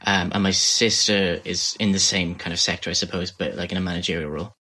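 A man in his thirties with a softened Welsh accent, speaking low and hesitantly. His tone is bright and forward. He fills his answers with "um" and restarts. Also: fairly even intonation, fast. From Wales. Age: 30s. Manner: hesitant, many fillers and restarts. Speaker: guest filmmaker. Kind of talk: casual interview chat.

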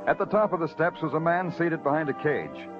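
A man's voice: on the high side, fairly quick, close to an everyday voice. Terse, hard-boiled detective narrator voiced by a man; dull old radio sound, music behind. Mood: brooding. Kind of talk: 1950s radio drama narration. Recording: muffled old radio broadcast with score.

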